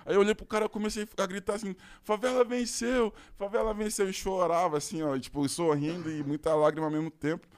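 A man's voice: fairly high pitch, fairly even intonation, fast talker, hardly any pauses, clear, resonant tone. A man with a Brazilian accent telling a long personal story in casual podcast chat, rambling and full of slangy filler words. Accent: Brazilian Portuguese.

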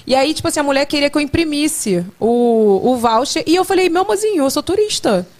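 A woman's voice: high-pitched, fairly quick. A young woman hosting a podcast, telling stories with a joking, teasing manner. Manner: joking, teasing, animated storytelling. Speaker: podcast host. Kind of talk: casual chat.

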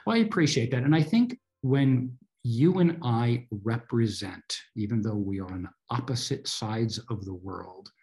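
A man's voice: medium pitch, expressive, measured pace, hardly any pauses, darkish tone. An American man hosting an interview podcast, reading an introduction and asking questions with emphatic delivery. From United States. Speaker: podcast host.

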